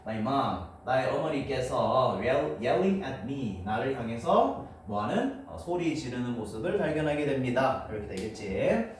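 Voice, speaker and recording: Male English teacher, lively pitch, lecturing in a roomy hall from a distance, light room noise. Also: measured pace, few pauses. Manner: explains step by step, often asking students for agreement. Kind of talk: classroom lecture.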